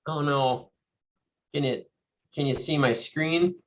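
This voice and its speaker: A man's voice: on the high side, slow pace, fairly bright tone. A man presenting on a video call as the call drops out, repeatedly asking whether he can be heard. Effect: call dropping out, voice lost on the line. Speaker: benefits consultant presenting. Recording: dull lo-fi call audio.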